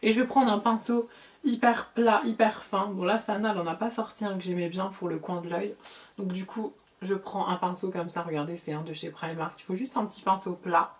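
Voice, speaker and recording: A woman's voice: medium pitch, steady tone, brisk. Chatty middle-aged woman doing makeup tutorial. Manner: chatty, repeats words, fillers. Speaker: beauty vlogger.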